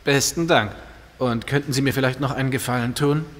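An actor playing a flirtatious, smooth-talking police detective in an audio drama, with a flippant manner. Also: male voice, medium pitch, steady tone, a little fast, natural voice. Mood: flirty. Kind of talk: German audio drama acting. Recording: reverberant sound with background noise.

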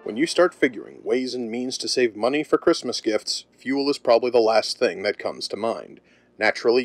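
A man as a radio announcer reading a polished, emphatic sales pitch in 1930s commercial style. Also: dry recording.

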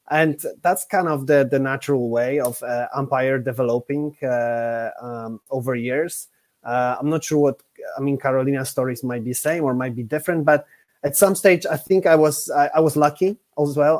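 A man's voice: mid-range voice, darkish tone. Hesitant man on a video call. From Poland. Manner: hesitant, many fillers and restarts, frank. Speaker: international hockey umpire, guest. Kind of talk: online panel talk. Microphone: computer mic on a video call.

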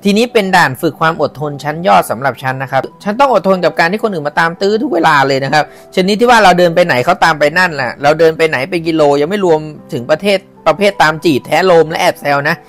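A man's voice: on the high side, fast, few pauses, a bit bright, soft background music. A man reading a travel book aloud in a casual way, breaking in with chatty asides and exclamations. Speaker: book reader and podcast host.

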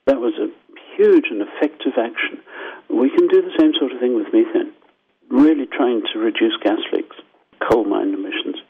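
An older man from Zimbabwe speaks as a scientist guest on a radio show, heard over a dull lo-fi phone line. His voice sits at a middling pitch, and he explains things thoughtfully, with restarts and lively asides. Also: normal speed, husky. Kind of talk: radio interview answers.

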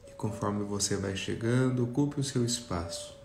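A Brazilian man leading a guided meditation talk for a group, speaking reflectively with long pauses. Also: lowish voice, gravelly, darkish tone. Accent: Brazilian Portuguese. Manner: slow, pausing, reflective. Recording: roomy echo, faint music behind.

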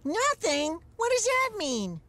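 A man's voice: very high voice, wildly swooping pitch, takes it slowly, sharp tone, exaggerated voice. A man playing a sweet, dim, easily crestfallen chubby little boy in a cartoon, earnest and naive. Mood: worried. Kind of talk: cartoon acting.

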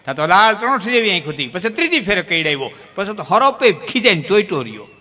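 A man telling comic folk tales to a live audience, his voice pitched a little high and ringing bright. He leaps up suddenly in pitch as the stories build. A long hall reverb trails every line. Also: big pitch swings, a little fast. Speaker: folk storyteller. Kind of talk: folk comedy storytelling on stage.

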